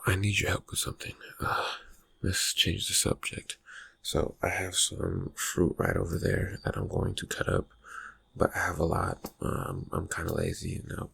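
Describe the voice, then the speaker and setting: A man acts out a reclusive vampire friend for an ASMR roleplay. His low voice is thick with fry and very husky, almost all breath. He speaks slowly and haltingly, dry and suspicious, with quiet menace under the soft murmur. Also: heavily acted. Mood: casual, lazy. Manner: hesitant, halting, laconic, dryly suspicious. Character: reclusive, slyly menacing male vampire friend who prowls at night. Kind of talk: ASMR roleplay, soft-spoken character talk.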